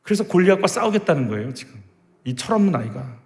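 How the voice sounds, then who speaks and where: A male pastor delivers a sermon from the pulpit, pressing the congregation with emphatic rhetorical questions. His voice runs somewhat high for a man. The sound carries the long echo of a large church hall. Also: sing-song, fast, darkish tone. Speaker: senior pastor. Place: church sanctuary.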